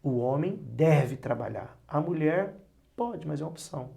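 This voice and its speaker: A man, a pastor and psychologist, talks as a podcast guest in a voice pitched a bit higher than most men's. He tells lively family stories and jumps into the voices of the people in them. His advice comes across as earnest and direct. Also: moderate pace, gravelly. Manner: animated storyteller who acts out parents and children; earnest, advising. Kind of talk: podcast interview talk.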